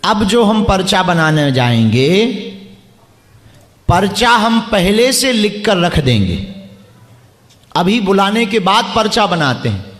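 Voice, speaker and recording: A man's voice: sits high, very animated, slow pace, long pauses, a bit bright, roomy sound. A preacher addressing a live crowd in a packed stadium, teasing and bantering with people he calls up. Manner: teasing, bantering with audience members. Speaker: preacher leading a religious gathering.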